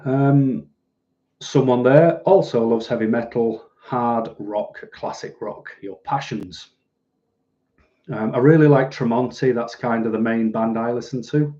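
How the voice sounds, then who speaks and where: A man with a softened Manchester accent hosts a casual livestream. His voice is mellow and relaxed, and his delivery is dry, sardonic and rambling. The audio is a little dull and lo-fi. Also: medium pitch, measured pace. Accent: Mancunian, softened northern English. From northern England, Manchester. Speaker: livestream host. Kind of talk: casual livestream chat, reading out and answering viewers' comments.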